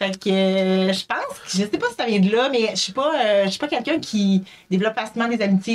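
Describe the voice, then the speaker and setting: A woman with a Quebec accent at a moderate pace. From Verdun, Montreal, Quebec. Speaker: special education worker. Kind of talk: podcast interview answer.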